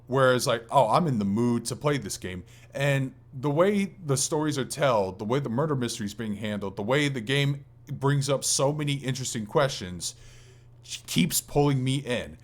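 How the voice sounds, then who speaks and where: A man co-hosting a casual gaming podcast, speaking in an informal, rambling, enthusiastic way. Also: mid-range voice. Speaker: podcast co-host.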